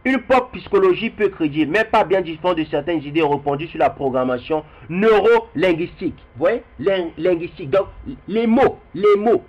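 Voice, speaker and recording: A man's voice: high-pitched, animated, normal speed. A young man speaking straight to his viewers in a rambling video commentary, repeating himself as he goes. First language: Kikongo heritage language. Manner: rambling, repeats words, addresses viewers directly. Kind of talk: spoken video commentary with readings. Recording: dull lo-fi recording.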